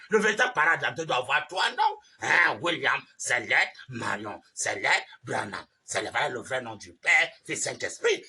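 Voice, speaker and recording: A man preaching a fiery sermon, shouting refrains and dropping to low mutters, with chanting, repeated phrases. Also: slight background noise. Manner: shouts refrains, swings between loud cries and low mutters. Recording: voice heard from a distance from the mic.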